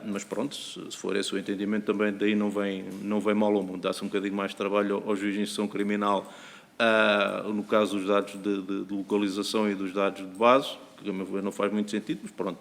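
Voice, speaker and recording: Hesitant Portuguese law professor, low voice. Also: male voice. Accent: European Portuguese. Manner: hesitant, repeats words while searching for terms. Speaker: law professor testifying at a parliamentary hearing. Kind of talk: formal expert testimony. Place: parliamentary committee room. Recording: echoey hearing room.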